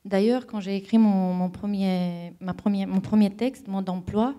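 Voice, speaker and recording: A woman answering interview questions, her voice mellow and warm. She talks thoughtfully and searches for the right words, often restarting her sentences. Her pitch sits in an ordinary middle range. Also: steady tone, normal speed. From Romania. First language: Romanian. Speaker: playwright and director, guest.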